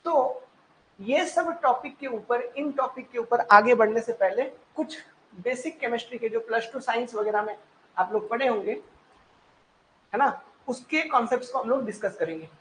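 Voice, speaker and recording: A man's voice: extremely high pitch, normal speed, a bit bright, slight background noise, poor audio. A man teaching a live online exam-prep class on his own mic. He repeats himself and keeps checking in with his listeners. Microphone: own mic in a live online session.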